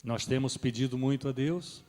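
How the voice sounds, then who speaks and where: A middle-aged man preaching a sermon as pastor, swelling loud on key points and then dropping soft. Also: mid-range voice, normal speed. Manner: rises and swells with emphasis, then drops soft. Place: church hall. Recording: long reverb of a church hall.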